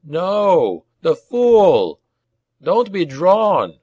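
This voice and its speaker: A man's voice: high voice, wildly swooping pitch, drawn-out words, warm tone, breathy edge, no echo, lo-fi sound, voice pushed up, exaggerated voice. Man as dwarf war leader, raised voice, urgent, clipped commands, fantasy audiobook. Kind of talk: acted audiobook dialogue.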